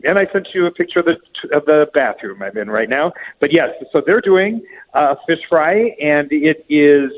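A man's voice: on the high side, animated, normal speed. A man chatting casually on air as a show regular, phoning in from an echoey public bathroom. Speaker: radio show regular reporting by phone. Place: echoey public restroom in a restaurant. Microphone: phone. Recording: noisy phone line, echoing public bathroom.

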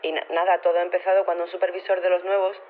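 A woman's voice: lowish voice, flat delivery, racing. A woman playing an unflappable robotics professor in an audio drama, heard through a telephone, rambling in a colloquial, understated way. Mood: matter-of-fact, unflappable. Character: female robotics professor, casual, matter-of-fact, unflappable. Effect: telephone filter. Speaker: phone interviewee. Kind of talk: acted phone interview in audio fiction. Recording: tinny phone line with clear background noise.

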